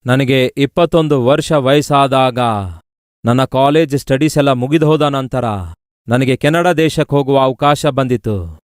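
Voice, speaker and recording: A man's voice: mid-range voice, fairly even intonation, moderate pace, clean tone, no room sound, clean studio sound. Earnest male pastor telling a sermon story. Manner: earnest, addresses listeners as beloved.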